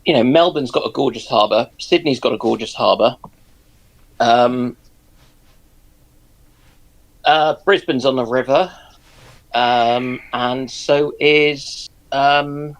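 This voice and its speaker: A man chatting casually as a co-host on a live stream over a video call, speaking slowly with many pauses and ums. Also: medium pitch, rough recording. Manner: hesitant, measured, lots of ums. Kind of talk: casual chat.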